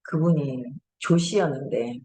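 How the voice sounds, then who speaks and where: A woman's voice: low-pitched, a little slow, mellow, echoey room. A middle-aged woman hosting a casual lecture, telling stories in a chatty way and laughing often. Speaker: host.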